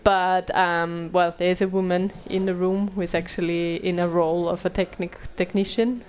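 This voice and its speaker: Her voice lowish, level, and a little mellow at a moderate pace, an Austrian woman in her thirties moderates a conference panel in English. She uses a headset mic in a small bright meeting room and speaks with frequent fillers and restarts.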